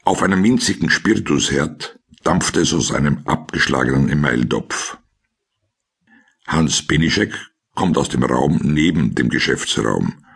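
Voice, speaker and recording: Ein Mann mit österreichischem Akzent und rauer Stimme, der sachlich und trocken die Szenen eines Krimi-Hörspiels erzählt. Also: male voice, rumbling low, expressive, unhurried. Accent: Austrian. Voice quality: gravelly, husky. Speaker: narrator of a crime audio drama. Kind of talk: scripted scene narration in present tense.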